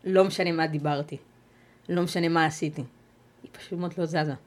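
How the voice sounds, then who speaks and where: A woman with a somewhat low-pitched voice gives personal testimony as a guest on an interview podcast. Her delivery is measured and halting, broken by pauses and restarts as she searches for words. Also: steady tone.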